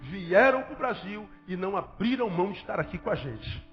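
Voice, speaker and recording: A man's voice: sits high, big pitch swings, moderate pace. A Brazilian man preaching a sermon as pastor, emphatic and repetitive, firing rhetorical questions at the congregation. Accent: Brazilian Portuguese. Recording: dull lo-fi audio with faint music.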